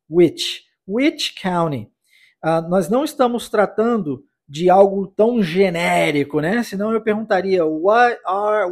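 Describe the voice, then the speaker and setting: A man raised in the United States who teaches English on a podcast, explaining phrases in Portuguese and repeating them for the listener to practise. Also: high-pitched. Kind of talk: podcast language lesson.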